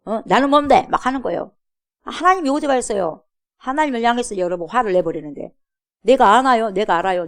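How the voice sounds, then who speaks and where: A woman's voice: fairly high pitch, vocal fry. A woman pastor giving a sermon at a church, preaching emphatically and asking the congregation repeated rhetorical questions.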